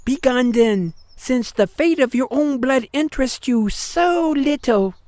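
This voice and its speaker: A mysterious gypsy fortune-teller, voiced by a woman, speaks in riddles with a lilt. Her voice sits a little high and sounds close and dry, as in a studio radio play. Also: animated, a little slow, darkish tone, dry recording. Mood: cryptic. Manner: cryptic, solemn prophetic lilt. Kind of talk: old-time radio drama acting.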